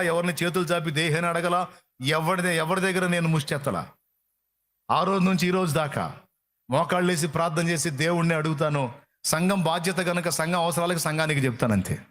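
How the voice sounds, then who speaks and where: A man's voice: a little high, brisk, fairly bright tone. A man preaching a sermon with fervor, repeating phrases for emphasis. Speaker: pastor.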